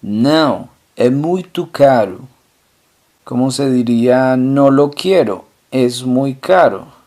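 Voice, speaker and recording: Slow, deliberate male language teacher. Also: mid-range voice, expressive, dark tone. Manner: poses questions, then answers slowly and deliberately, repeating example words. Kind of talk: slow language lesson with drill questions.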